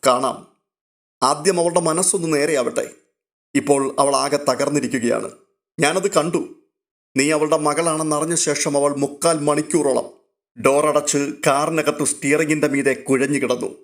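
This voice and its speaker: A man voicing a troubled middle-aged father who speaks quietly to comfort his grieving daughter in a spoken novel. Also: a little high, fairly even intonation, normal speed, natural voice. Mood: consoling.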